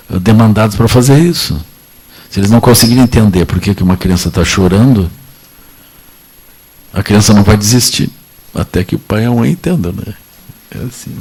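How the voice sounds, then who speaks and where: A man with a Brazilian Portuguese accent giving a relaxed, joking Buddhist talk to an audience, often repeating little tag phrases. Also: fairly low pitch, husky. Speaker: Buddhist teacher. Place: lecture at a meditation center.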